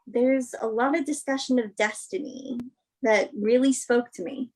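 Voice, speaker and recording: Woman playing candid movie star, higher voice, unhurried delivery, frank, reflective, naturalistic stage reading. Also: fairly even intonation, a little mellow, rough recording. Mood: earnest. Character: female movie star, candid, principled, thoughtful. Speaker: actress in a virtual staged reading. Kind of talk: naturalistic play reading, conversational interview.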